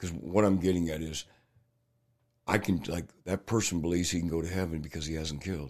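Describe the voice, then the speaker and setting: A man speaks in a very deep, low voice with vocal fry and fairly even intonation. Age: 60s. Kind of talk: testimony.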